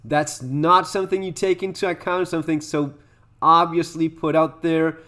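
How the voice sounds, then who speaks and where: A man's voice: fairly high pitch, steady tone, normal speed, pushed and bright. A man with a slightly raised voice talks through a reaction video at his desk. He hesitates, restarts his sentences and throws in blunt opinions as he goes. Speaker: YouTube host reacting to a video. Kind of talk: casual reaction commentary.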